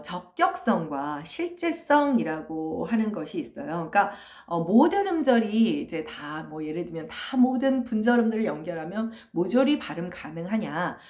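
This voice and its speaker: A woman lecturer talks through her material in a patient, explanatory way. She fills pauses with short hesitations and keeps asking her students whether they follow. Her voice moves animatedly up and down and rings in a reverberant room. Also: medium pitch, darkish tone. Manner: explanatory, frequent fillers and tag questions. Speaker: university lecturer. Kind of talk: recorded phonology lecture. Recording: echoey room.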